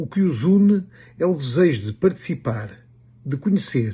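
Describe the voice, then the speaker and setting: Somewhat breathy, a man speaks with a European Portuguese accent. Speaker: poet. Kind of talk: reading aloud.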